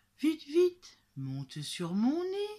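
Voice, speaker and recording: Putting on a character voice, a woman speaks at a high pitch. She takes a fairly slow pace. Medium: read story. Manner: smooth, persuasive.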